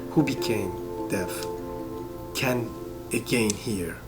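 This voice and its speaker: A man in his fifties from Iran, a surgeon, explains medical technology in a documentary interview. His voice sits somewhat low. He speaks carefully, pausing and restarting his phrasing, while loud music plays behind him. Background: loud background music.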